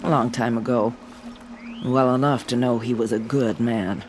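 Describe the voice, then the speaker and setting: An actor playing a solemn, dignified tribal war chief in a video game, speaking in a measured way. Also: male voice, mid-range voice, steady tone, a little hiss or hum, natural voice. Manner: measured and grave. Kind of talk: game cutscene acting.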